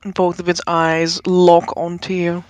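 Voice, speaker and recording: A woman narrating a tabletop game as game master, descriptive and drawn-out with casual asides. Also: on the low side, monotone, a little mellow, clear, resonant tone, no room sound.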